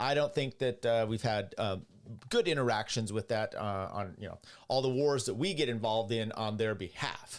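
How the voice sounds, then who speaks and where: An American man speaks in a normal speaking voice at a moderate pace, with a medium pitch and ordinary pitch variation. The recording is very clean, with a silent background. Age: 50s. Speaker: podcast host. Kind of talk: political commentary reacting to clip.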